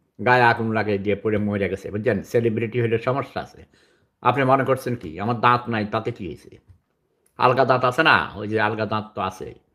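Against a very clean, silent background, a man speaks at a medium pitch in a bright, sharp tone. His intonation is fairly even, while his loudness swings widely. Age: 60s. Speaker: online commentator. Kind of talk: video monologue rant.

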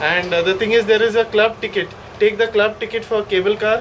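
Speaking in a high pitch, a man keeps his intonation fairly even. Noticeable background noise runs underneath. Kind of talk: casual phone conversation. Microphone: phone near.

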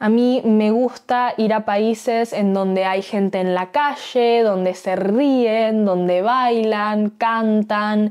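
A woman with an Argentine accent speaks at a very slow pace and fairly high pitch, with hardly any pauses. Her loudness stays very even and her intonation fairly even, over a quiet background. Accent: Rioplatense Argentine Spanish. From Argentina. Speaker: language teacher / travel vlogger. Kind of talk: educational monologue for learners. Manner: clear, moderately paced for learners. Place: studio. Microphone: lapel.

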